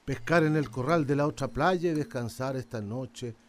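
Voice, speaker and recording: An actor playing a weary, humble old indigenous islander in a radio drama, speaking in a rustic, halting way with a southern Chilean accent. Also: male voice, mid-range voice, slight background noise, lightly acted. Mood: solemn, welcoming. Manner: rustic, deferential, halting storytelling.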